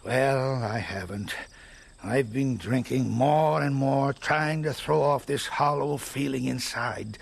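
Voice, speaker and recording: An actor playing a grieving Gypsy father and earnest spiritual seeker in a religious audio drama, halting and sighing. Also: medium pitch, vocal fry. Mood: anguished confession.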